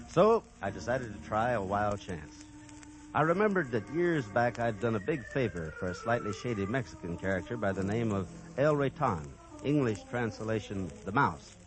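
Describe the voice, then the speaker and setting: A man's voice: medium pitch, lightly acted, low-quality recording. A man narrating and playing the cowboy hero of an old radio western, in an easygoing, plain-spoken way. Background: music.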